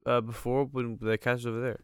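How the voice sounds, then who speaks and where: A man's voice: mid-range voice, little pitch movement, fairly quick, smooth, dry recording. A man co-hosting a podcast, bantering casually in a laid-back, informal way. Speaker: podcast co-host.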